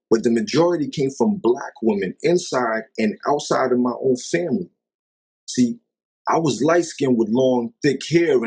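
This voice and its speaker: A man's voice: medium pitch, a little mellow, husky, rough recording. A man vlogging an impassioned commentary monologue, emphatic and exasperated, firing off rhetorical questions.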